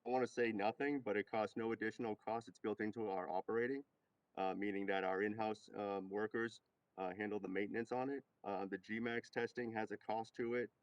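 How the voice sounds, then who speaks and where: A man's voice: lowish voice, steady tone, brisk, no room sound. A man hesitantly giving a matter-of-fact explanation at a public meeting, recorded at a distance with dull sound.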